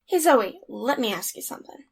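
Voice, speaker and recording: A woman's voice: fairly high pitch, lively intonation, fairly quick, gravelly, breathy edge, full character voice. A woman playing an exasperated, worn-out young woman in an amateur audio drama. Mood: puzzled. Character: exhausted, exasperated young woman who clones herself.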